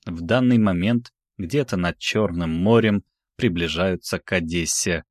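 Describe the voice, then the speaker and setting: A man voicing a calm, formal spaceship computer, reciting flight readings in a measured way for a science fiction audiobook. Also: deep voice, no room sound, studio quality. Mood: measured, impassive.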